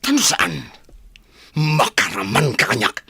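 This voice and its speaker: An actor playing Franco, a scheming, defiant man who mocks and shouts in a radio drama. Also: mid-range voice, huge pitch swings, unhurried, a little hiss or hum, full character voice. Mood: angry. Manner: mocking, shouts when angry. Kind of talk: Ilocano radio drama acting.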